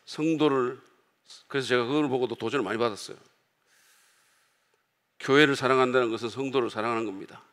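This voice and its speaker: Korean pastor preaching in a reverberant church. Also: male voice, medium pitch, fast, pauses often. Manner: conversational preaching, acts out quoted outbursts loudly. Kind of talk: sermon. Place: church sanctuary.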